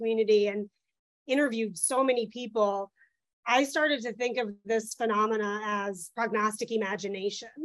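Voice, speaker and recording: Speaking in a plain, everyday voice, a woman with a fairly high pitch talks at a moderate pace with fairly even intonation. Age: 40s. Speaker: medical ethnographer, researcher. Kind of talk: webinar panel discussion. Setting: online video call.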